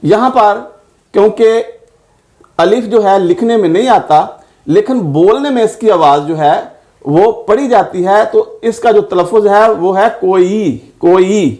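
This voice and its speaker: A fairly high-voiced man teaches a grammar lesson at an unhurried pace. He spells words out letter by letter and repeats each example in a patient, measured way. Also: darkish tone.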